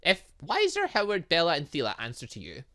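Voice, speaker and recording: A man's voice: on the high side, huge pitch swings, brisk, pushed and bright. A man hosting a game playthrough, reading dialogue aloud and commenting in a theatrical, exclamatory way. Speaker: gaming video host.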